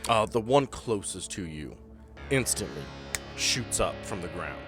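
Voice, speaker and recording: A man with a very low, deep voice guides players through a creepy tabletop adventure, building dread with measured pauses. Soft music plays faintly beneath him. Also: animated. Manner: descriptive, builds tension with pauses. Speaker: game master. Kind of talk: narrating a tabletop horror game.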